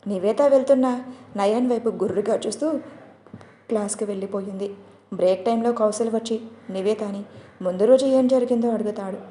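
Woman narrator for a serialized audio story; even delivery, roomy echo. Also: mid-range voice, fairly quick, long pauses, a little hiss or hum.

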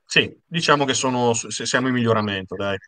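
A man in his thirties giving casual, halting comments as a guest on a video call. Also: medium pitch, sharp tone, no room sound. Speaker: guest panelist. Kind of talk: casual episode discussion. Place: room at home.

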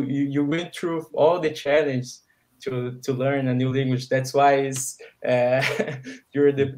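A man on a video call making a halting comment, repeating words as he searches for them. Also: medium pitch, darkish tone. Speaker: co-host of an English learners' club.

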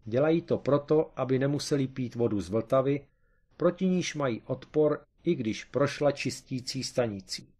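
A man voicing an excitable, scheming amateur detective in a comic storybook reading, with an eager, explaining manner and a raised voice. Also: medium pitch, close to an everyday voice.

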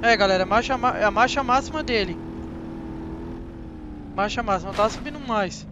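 A young man with a Brazilian Portuguese accent giving chatty, excitable commentary on a driving game straight to his viewers. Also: high-pitched, brisk, dull audio, noisy background. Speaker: gaming channel host. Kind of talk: casual gameplay commentary.

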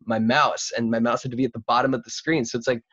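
A man in his twenties hosting a casual chat over a video call, animated and informal. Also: medium pitch, fast talker, dry recording. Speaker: host. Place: room at home, video call. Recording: dull, dry video-call audio.

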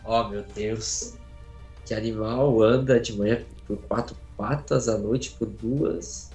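A Brazilian man, a guest who wants to become a voice actor, talking excitably over a video call. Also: fairly low pitch, takes it slowly, creaky, soft background music. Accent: Brazilian Portuguese. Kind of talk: casual video-call chat. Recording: roomy home room echo.

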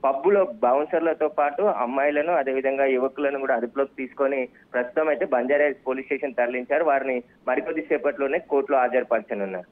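A man reports live from the field over a telephone line, and his voice comes through thin and narrowband. He talks at a mid pitch and rambles, often pausing to fill gaps. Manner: rambling with filler pauses. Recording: tinny phone line.

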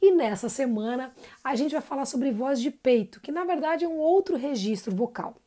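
A woman's voice: sits high, animated, normal speed. Chatty woman singing teacher. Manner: warm, chatty, greets viewers by name. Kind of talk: live-streamed singing lesson.

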